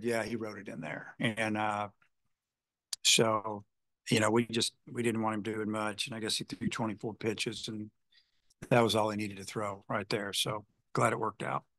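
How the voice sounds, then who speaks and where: A man's voice: fairly low pitch, fairly bright tone, no room sound. A male baseball head coach answering reporters after a game, rambling with lots of "you know" fillers and restarts. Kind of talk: postgame press conference answers.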